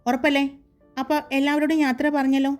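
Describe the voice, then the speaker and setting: A woman's voice: sits high, little pitch movement, quick pace, soft background music, close to an everyday voice. A woman reading the lines of a playful, confident young groom in a storybook narration. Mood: teasing.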